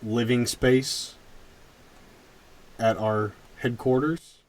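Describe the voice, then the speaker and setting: A man improvising in a tabletop roleplay podcast, speaking deliberately with hesitant pauses. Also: mid-range voice, steady tone, darkish tone, rough recording.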